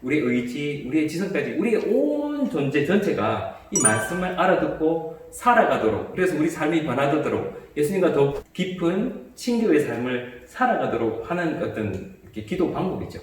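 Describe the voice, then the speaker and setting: Priest explaining, echoey and distant. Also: male voice, a little high, moderate pace, hardly any pauses, slight background noise. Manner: calm, explanatory, with small restarts. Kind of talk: explaining a bible commentary in a chat.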